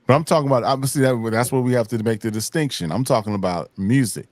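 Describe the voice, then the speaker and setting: A man hosting a casual hip hop talk show, rambling in a relaxed way and often repeating himself. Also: medium pitch, fast, no room sound. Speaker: podcast host. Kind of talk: casual chat.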